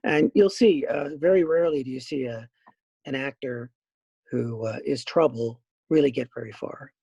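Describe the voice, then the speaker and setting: A middle-aged man with a raspy voice, a voice actor chatting as a podcast guest in an animated, rambling way. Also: medium pitch, normal speed, no echo, muffled recording. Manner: animated, rambling with many fillers. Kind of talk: casual podcast interview.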